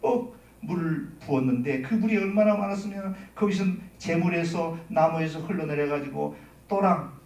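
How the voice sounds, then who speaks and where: A man pastor preaching a sermon, telling a story dramatically and acting out shouts and quotes. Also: a little high, normal speed. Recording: echoey room, mic at a distance.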